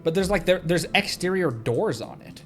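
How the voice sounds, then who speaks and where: A man's voice: high voice, expressive, normal speed, fairly bright tone, soft background music. A man casually commenting as he livestreams a video game, musing aloud to himself.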